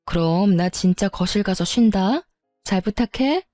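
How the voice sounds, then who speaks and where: A breezy, friendly sister-in-law, as a woman plays her, cheerful and relaxed. The voice is mellow and dark, recorded dry with faint music. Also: medium pitch, measured pace, no echo, natural voice. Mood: easygoing. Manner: easygoing, cheerful.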